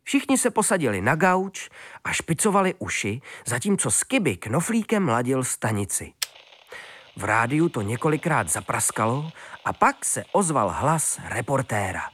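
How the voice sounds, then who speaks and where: A man narrating a children's story in a lively, expressive way. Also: medium pitch, husky.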